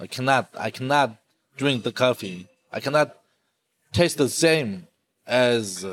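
Delivered at a fairly slow pace in a Korean accent, the speech has ordinary pitch variation and long, frequent pauses. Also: man. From South Korea. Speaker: bag factory worker. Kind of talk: casual chat. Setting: restaurant.

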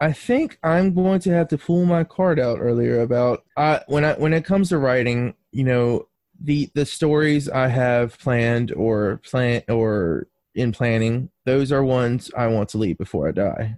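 In a plain, everyday voice with an American accent, a man speaks at a fairly slow pace and medium pitch with lively intonation and very even loudness, in a dry, close sound with no echo. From US South, North Carolina. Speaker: novelist and audio drama writer. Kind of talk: interview conversation.

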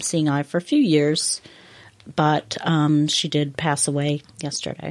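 Monotone and flat, a woman with an American accent speaks at a very deep, low pitch and a fairly slow pace. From United States. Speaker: co-presenter, host's spouse. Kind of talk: casual chat.

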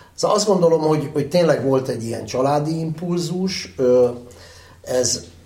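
Through audible room echo and noticeable background noise, a man speaks at a moderate pace with ordinary pitch variation. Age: 60s. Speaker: visual artist and photographer. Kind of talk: interview. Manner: halting, many fillers.

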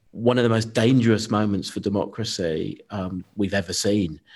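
Speaking with an English accent, a man keeps a moderate pace, a fairly low pitch and ordinary pitch variation. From England. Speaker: media journalist and author. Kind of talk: interview.

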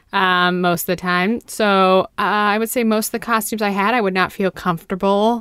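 At a moderate pace with hardly any pauses, a woman speaks at a medium pitch in a monotone, flat intonation on a very clean recording with a silent background. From US, not the South. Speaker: podcast host. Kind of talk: casual chat.

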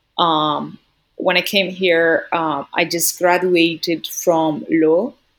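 Here a woman speaks at a medium pitch with a Spanish accent. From Spain. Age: 30s. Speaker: podcast guest working in fintech.

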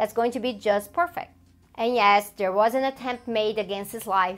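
The intonation is lively. Music plays in the background. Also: woman. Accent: Portuguese. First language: Portuguese. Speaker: YouTuber and sociologist. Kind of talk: video monologue.

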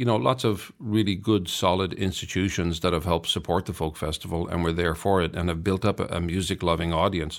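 On a very clean recording with a silent background, a man speaks in an Irish accent. His pitch is very deep and low, and his intonation is fairly even. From Ireland. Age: 60s. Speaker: festival producer. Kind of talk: interview.

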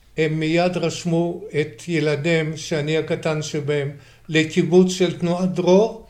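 Very slowly, a man talks in a high pitch with a monotone, flat intonation. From Israel, Haifa area (born in Poland). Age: 80s+. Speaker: founder of the scout troop. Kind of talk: interview storytelling.

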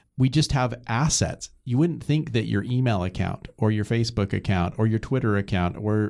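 A man talks at a fairly quick pace in a normal speaking voice, fairly low, with ordinary pitch variation. The recording is very clean, with a silent background. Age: 50s. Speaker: estate planning lawyer. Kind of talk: podcast discussion.

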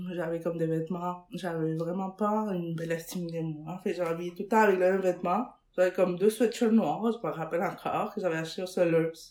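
Speaking at a fairly slow pace, a woman with a Spanish accent keeps a fairly even intonation in a fairly low pitch. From Chile. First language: Spanish (speaking French). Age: 30s. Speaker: plus-size clothing shop owner. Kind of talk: interview. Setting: living room on leather sofa.

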